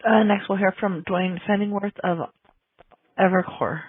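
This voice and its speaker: A man's voice: high voice, fairly even intonation, a little slow, breathy edge, dry recording. A man acting as conference call operator, making formal announcements to introduce the next caller. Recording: narrow dry phone line.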